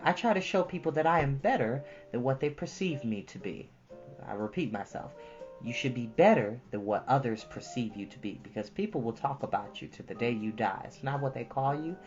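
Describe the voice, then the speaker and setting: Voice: medium pitch, lo-fi sound. A storytime host speaking to children, moving between earnest, preachy casual asides and storybook reading, repeating points for emphasis.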